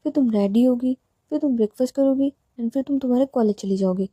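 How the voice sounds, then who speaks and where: Woman doing a teasing young woman, slightly high, dark mellow timbre, coaxing, playful, storybook romance. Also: quick pace, husky, no room sound.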